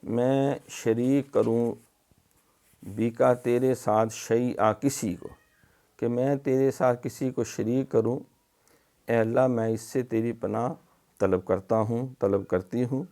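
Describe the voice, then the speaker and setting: A middle-aged man with a Pakistani Urdu accent teaching Quran recitation, drilling letter sounds slowly and then explaining them. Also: mid-range voice, steady tone. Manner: stretches syllables, louder on drills. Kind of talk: recorded tajweed lesson.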